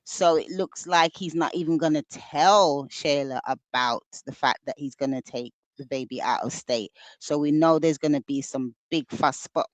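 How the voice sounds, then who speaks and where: London woman co-host, lively and playful, dry close sound, casual stream banter. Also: deep voice, moderate pace, hardly any pauses, no room sound. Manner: animated, playful, dips into mock patois. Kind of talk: casual commentary chat.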